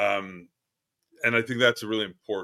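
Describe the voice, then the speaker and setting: A man at a moderate pace. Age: 50s. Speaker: podcast guest. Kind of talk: casual chat. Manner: animated.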